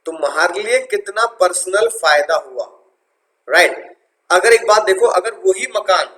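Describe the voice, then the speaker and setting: A high-pitched man lectures on tax with playful energy, repeating key terms and throwing questions at his class. His voice rings around an echoey room. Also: pushed and bright. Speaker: tax teacher.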